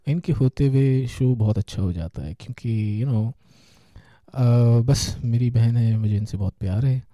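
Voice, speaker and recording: A man's voice: medium pitch, warm tone, dry recording. A man hosting an online radio show, chatting casually and affectionately with listeners, often laughing and slipping into English. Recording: faint music underneath.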